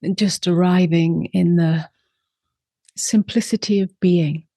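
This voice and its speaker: A woman guides a meditation in a slightly low, mellow voice. She is soft and breathy, sometimes close to a whisper. Her phrases are short and very slow, with long silences between them. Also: fairly even intonation, dry recording. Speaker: meditation teacher.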